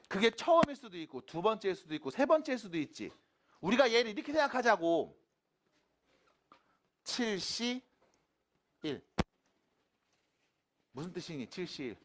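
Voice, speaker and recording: A man's voice: sits high, fairly bright tone, a little hiss or hum. A man working through exam math problems as a teacher, informal and often checking understanding with short questions, his articulation slightly slurred as if after dental work. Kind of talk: exam problem explanation to students.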